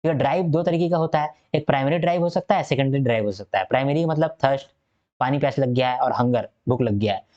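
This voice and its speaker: A man's voice: medium pitch, quick pace, a little mellow. Man lecturing in a dull lo-fi recording. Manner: explanatory, repeats key points and checks in with listeners. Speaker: teacher. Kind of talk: recorded exam-prep lecture.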